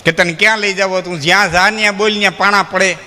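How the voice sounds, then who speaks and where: A man tells humorous folk tales on a hall stage, talking straight to his listeners as friends. His voice sits high and sounds bright and sharp. A long hall reverb trails each phrase, with faint music underneath. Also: fairly even intonation, fast. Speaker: folk storyteller. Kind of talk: live folk storytelling to an audience.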